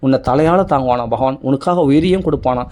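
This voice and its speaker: A man's voice: mid-range voice, quick pace, darkish tone, slight background noise. A man giving a devotional discourse, emphatic and repetitive, asking many rhetorical questions. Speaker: religious speaker.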